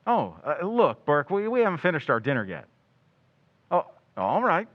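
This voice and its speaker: A man plays a grumbling, wisecracking press photographer in an old-time radio drama. He swings widely in pitch, mixing slang with mock-grand phrases. The sound is slightly muffled. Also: huge pitch swings, normal speed. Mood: grumbling, brisk.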